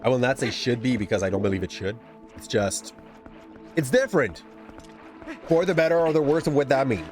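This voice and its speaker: A man's voice: mid-range voice, lively intonation, fairly quick, pauses often, a little mellow. A man from Quebec with a light Québécois accent, rambling chattily while commenting on his gameplay. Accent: Québécois French. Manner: chatty, rambling, often restarts words. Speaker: gaming streamer. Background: game music.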